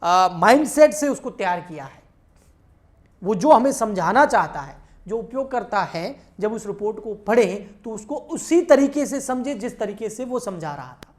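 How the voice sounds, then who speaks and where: A woman's voice: mid-range voice, lively intonation, moderate pace. Patient woman lecturing with a lilt. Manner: explains patiently, checks in with students, addresses them familiarly. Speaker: accountancy teacher. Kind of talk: recorded exam-prep lecture.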